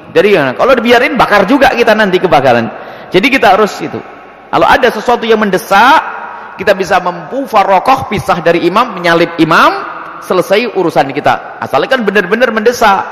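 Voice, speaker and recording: A man preaching and answering religious questions in a lively, animated way, acting out little scenes as he explains. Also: in a large hall. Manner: lively, animated, acts out scenes with sudden pitch jumps. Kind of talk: religious Q&A lecture.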